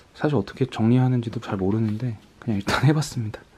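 A man talks in a relaxed tone at medium pitch, sounding somewhat breathy. Noticeable background noise runs underneath. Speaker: broadcast announcer. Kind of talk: casual vlog talk to camera. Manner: relaxed, conversational.

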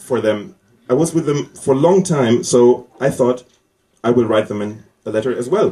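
A man in a strong German accent, medium pitch, lively intonation and a moderate pace. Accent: thick German. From Germany. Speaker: stand-up comedian. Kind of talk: live stand-up comedy set. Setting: live comedy club with audience. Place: stage. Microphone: handheld.

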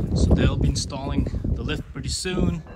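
Loud background noise sits under a man talking at a moderate pace. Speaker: channel host. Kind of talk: casual vlog chat. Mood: excited. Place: garage. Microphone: phone near.

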